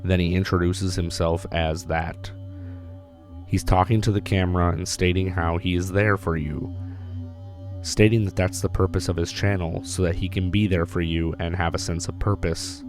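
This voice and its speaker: A man with a very low voice narrates a commentary video. He sounds hoarse after a recent illness, and his delivery is casual and blunt, with a loose, mildly profane edge. Music plays steadily beneath him. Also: level tone, moderate pace. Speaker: YouTube commentator. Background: background music.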